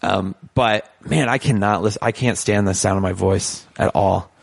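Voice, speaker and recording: Man, from Canada, podcast guest, casual chat, animated, rambling, self-mocking, dry close sound. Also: fairly low pitch, moderate pace, vocal fry, no echo. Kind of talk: casual conversation.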